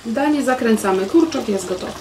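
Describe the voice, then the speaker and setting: A woman in her forties hosting a cooking channel, calmly explaining a recipe step by step and politely addressing her viewers from a home kitchen. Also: on the high side, fairly quick, background noise. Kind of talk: recipe instructions. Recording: roomy kitchen echo, voice a bit distant.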